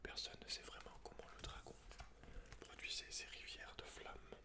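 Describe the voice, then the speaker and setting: A man whispers throughout in a breathy, voiceless tone. He delivers it as ASMR, softly reading and explaining things informally and directly to the listener. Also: normal speed. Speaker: ASMR video creator. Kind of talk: whispered ASMR, reading aloud with casual asides.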